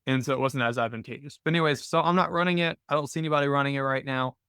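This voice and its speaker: A man's voice: mid-range voice, very fast, sharp tone, smooth, no echo, clean studio sound. A man hosting a casual Q&A call, explaining things conversationally and thinking aloud as he goes. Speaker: host of a trading Q&A call. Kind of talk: casual explanatory screen-share Q&A.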